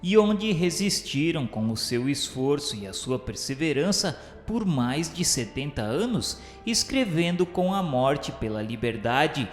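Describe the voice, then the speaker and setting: A man's voice: on the high side, sing-song, measured pace, hardly any pauses. A man with a Brazilian accent narrating a radio drama from a script in a solemn, formal, declamatory way. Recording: echoey long reverb, music underneath. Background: music.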